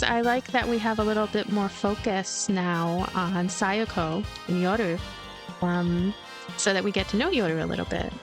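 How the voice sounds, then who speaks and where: A woman reading a visual novel aloud and adding her own gentle commentary. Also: mid-range voice. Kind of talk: voiced game narration and commentary. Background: game music.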